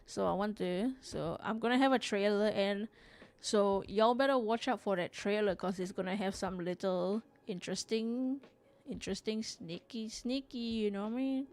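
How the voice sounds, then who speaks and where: A woman's voice: medium pitch, normal speed, darkish tone. A woman from Singapore hosting a live drawing stream, chatting casually, reading chat aloud and rambling with frequent restarts. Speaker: livestream artist host.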